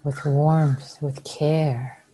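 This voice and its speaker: A woman leading a guided meditation as a teacher, speaking softly and soothingly with long pauses, her breathy voice at times close to a whisper. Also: low-pitched, steady tone, a little hiss or hum, low-quality recording.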